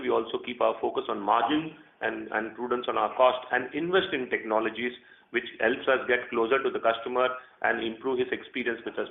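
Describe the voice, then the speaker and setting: A man speaking as a company executive on a conference call, explaining business points in a measured, hesitant way. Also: medium pitch, vocal fry. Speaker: company executive answering analysts. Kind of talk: earnings call answers, spontaneous business talk. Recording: narrow phone line, roomy echo.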